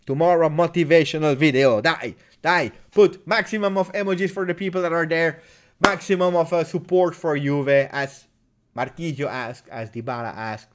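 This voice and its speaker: A man with an Italian accent, whose first language is French, hosting a live football fan stream and reading out viewer comments. He talks casually, with loud cheers one moment and low mutters the next. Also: moderate pace, slight background noise. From Italy. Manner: chatty, greets viewers by name, swings from loud cheers to low mumbles. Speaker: football fan livestream host.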